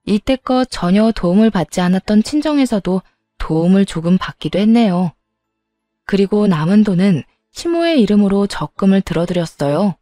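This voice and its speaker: A woman narrates a family story in a calm, even way. Her voice is mellow and soft-edged. The recording is dry and close. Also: medium pitch, normal speed, no echo, soft background music. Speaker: narrator, younger daughter-in-law.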